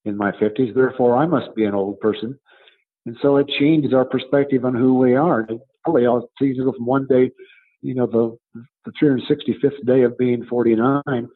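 Speaking with a breathy edge at a medium pitch, a coach and author in his seventies answers interview questions in a conversational way. The sound is phone-quality, and his explanations are halting, with repeated words as he thinks.

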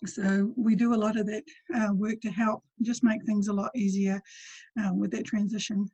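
A woman's voice: mid-range voice, flat delivery, normal speed, warm tone, slightly rough, no room sound, low-quality recording. A woman with a New Zealand accent, speaking as a postpartum doula in a casual interview, chatty and full of ums.

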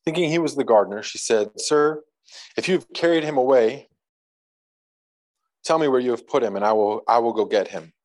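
A man's voice: medium pitch, moderate pace, pauses often, darkish tone, low-quality recording. A man preaching a casual, conversational sermon to a congregation, reading scripture aloud and adding light jokes. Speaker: pastor.

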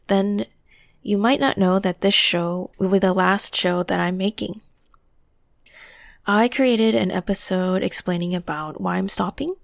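A woman hosting a meditation podcast, guiding listeners gently through breathing and affirmations in a calming voice, with some cues softly whispered. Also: mid-range voice, creaky, dry recording, clean studio sound. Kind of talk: guided meditation.

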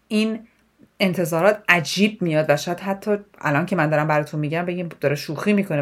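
Lively Persian woman coach talking. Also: fairly low pitch. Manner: animated, direct, asks rhetorical questions and mixes in English words. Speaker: life coach. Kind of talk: solo advice podcast monologue.

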